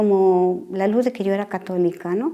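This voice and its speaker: At a moderate pace, a woman speaks in a medium-pitched voice with a dark, mellow tone. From Madrid region, Spain. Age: 60s. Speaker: retired widow giving faith testimony. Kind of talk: testimony.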